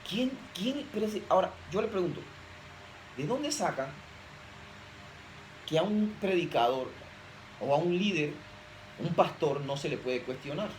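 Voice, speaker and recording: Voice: mid-range voice, lively intonation, measured pace, long pauses, darkish tone, slight background noise, rough recording. A preacher giving an emphatic sermon, often posing rhetorical questions to the audience.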